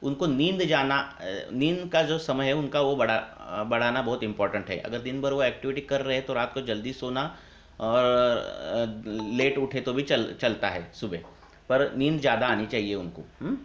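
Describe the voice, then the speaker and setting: A man's voice: medium pitch, lively intonation. Man on an echoey, dull call line. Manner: measured, explaining with frequent hesitations. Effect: echoey call audio. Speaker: Ayurvedic doctor answering questions. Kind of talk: explanatory Q&A on a call.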